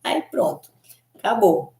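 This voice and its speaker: A woman's voice: measured pace, darkish tone, roomy sound. A woman from Belém do Pará in Brazil, a hair coloring specialist chatting casually with viewers, giggling often and tagging her sentences with questions. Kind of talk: casual live chat answering viewers.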